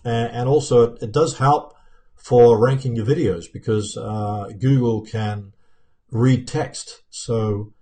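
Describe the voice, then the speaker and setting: Man with a mellow New Zealand accent. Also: mid-range voice, steady tone, takes it slowly. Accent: New Zealand, softened by years in America. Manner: rambling, many fillers and restarts, reads out viewer comments. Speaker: YouTube channel host answering live chat. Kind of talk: live-stream Q&A, casual. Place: home office room with plants and pictures, indoors. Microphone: webcam framing at desk.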